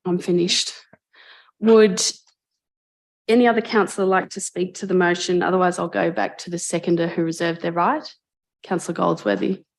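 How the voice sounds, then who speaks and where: Earnest Australian woman, low flat voice. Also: vocal fry, poor audio. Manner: earnest, measured, with frequent ums and restarts. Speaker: mayor chairing a council meeting. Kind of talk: formal council debate speech. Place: council chamber.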